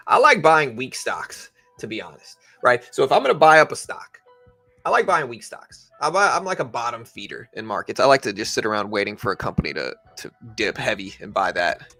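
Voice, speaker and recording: A man with a bright, forceful voice at an average male pitch talks through the markets as a livestream host. His delivery is conversational and explanatory, as if answering a chat. Music plays faintly behind him. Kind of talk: casual live stock market commentary, answering chat.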